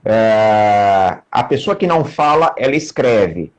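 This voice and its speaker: A man with a Brazilian Portuguese accent, a guest in a casual interview chat, who explains in a measured way with everyday examples. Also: lowish voice, animated.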